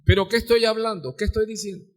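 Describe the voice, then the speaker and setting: A pastor with a Mexican Spanish accent preaching a live sermon in a church, full of rhetorical questions and sudden drops to soft low words. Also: male voice, fairly even intonation, fast talker. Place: church sanctuary.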